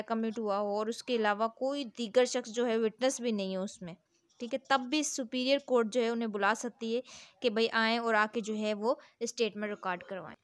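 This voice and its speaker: A woman's voice: on the high side, no echo, clean studio sound. A woman with a South Asian accent giving an explanatory law lesson, reading formal text aloud and rephrasing key points in a didactic way. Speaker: law lecturer.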